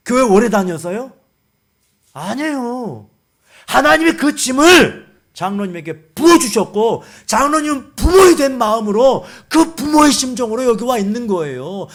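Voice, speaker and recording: A man preaching a sermon as a guest pastor, firing rhetorical questions and leading the congregation in reading aloud. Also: high-pitched.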